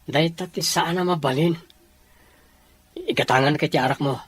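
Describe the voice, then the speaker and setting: Husky, lovesick young man. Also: a little high, moderate pace, fairly bright tone, dry recording. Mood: tipsy, insistent. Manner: emotional, insistent. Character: lovesick young man, pleading, stubborn, heartbroken. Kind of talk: radio drama acting.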